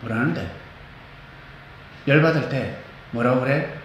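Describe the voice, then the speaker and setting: A man preaching a sermon as pastor, animated, acting out quotes and singing bits of hymns. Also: mid-range voice, unhurried. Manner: animated, acts out quotes, sings snatches of hymns. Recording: echoey church hall, faint noise.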